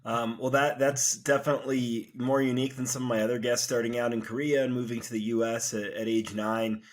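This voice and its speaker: A man's voice: medium pitch, little pitch movement, fairly quick. A man hosting a podcast, asking curious, friendly questions with plenty of fillers. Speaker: podcast host. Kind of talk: conversational interview.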